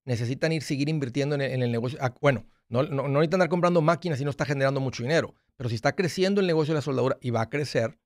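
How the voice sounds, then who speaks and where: This forties-aged host of a money advice call-in show races through his words at mid-range pitch, hardly pausing, speaking directly and often restarting. He works on a studio mic with headphones in a small studio with an acoustic foam wall, and there's no room sound.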